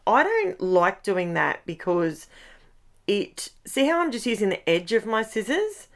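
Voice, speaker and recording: A middle-aged woman, chatting in a craft voice-over with a croaky voice, rambling and breaking off her own sentences. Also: medium pitch. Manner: chatty, rambling, self-interrupting. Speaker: scrapbooking vlogger.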